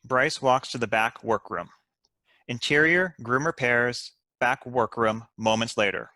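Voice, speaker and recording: Bright, dry-recorded male script narrator. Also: medium pitch, a little slow, dry recording. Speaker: narrator reading stage directions. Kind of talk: scripted narration for comedy table read.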